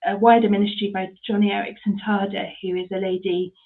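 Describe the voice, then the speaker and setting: A woman's voice: mid-range voice, little pitch movement, quick pace. A woman, answering interview questions about her charity work with many ums and restarts. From mid Devon, England. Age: 30s. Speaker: charity ministry worker. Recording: tinny phone-like line.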